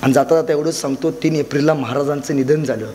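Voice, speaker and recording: A man's voice: on the high side, steady tone, fast talker, dark tone. A young man with a Marathi accent giving an emphatic motivational speech with stories, often repeating key lines. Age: young adult. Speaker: motivational speaker. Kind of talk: public motivational speech with storytelling. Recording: long reverb of a large hall.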